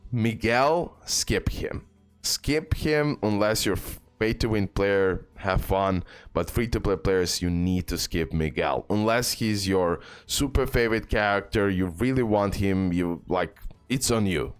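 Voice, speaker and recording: Low-voiced man giving gaming advice. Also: clear, resonant tone. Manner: emphatic, repetitive, ends points with "okay?". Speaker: game video creator. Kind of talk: casual gaming advice commentary. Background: music.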